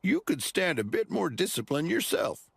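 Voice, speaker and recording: Calm older male mentor, gravelly, husky, lively rising and falling pitch, anime dub. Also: moderate pace, dry recording, heavily acted. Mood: calm reproach.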